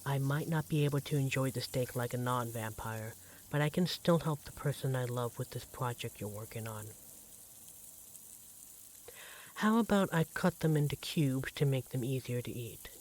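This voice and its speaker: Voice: medium pitch, normal speed, darkish tone, natural voice. A performer playing an affectionate, teasing vampire barista in a conversational audio roleplay about domestic life. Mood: casual, teasing. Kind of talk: ASMR audio roleplay, one-sided domestic dialogue. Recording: clear background noise, sizzling frying pan.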